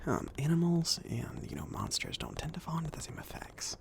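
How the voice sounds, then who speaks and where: Casting: chill, kindly mage , male performer for ASMR roleplay; whispery, lightly gravelly, rambling and casual with lilting intonation. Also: fairly high pitch, wildly swooping pitch, a little fast, heavily acted. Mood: relaxed, explanatory. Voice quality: soft, breathy whispering mixed with murmured speech. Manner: hesitant, casual, rambling delivery. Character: chill, friendly male mage kindly outfitting his apprentice.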